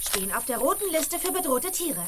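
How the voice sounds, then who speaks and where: Very high-voiced eager girl. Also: big pitch swings, a little fast. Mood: eager, informative. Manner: eager, explaining. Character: bright, eager young girl witch who loves animals. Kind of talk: children's audio drama acting. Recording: noisy outdoor nature sound behind.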